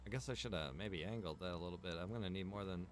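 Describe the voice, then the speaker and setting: Low-voiced man muttering through a game. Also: quick pace. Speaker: streamer playing a survival roleplay game. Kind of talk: casual gameplay commentary.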